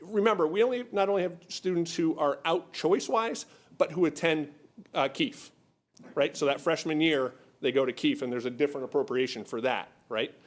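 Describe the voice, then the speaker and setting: Guy walking a town board through budget numbers, patient, kinda high voice. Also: brisk. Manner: patient, explanatory, many restarts and "right?". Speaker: school finance official. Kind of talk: explaining budget at a public meeting.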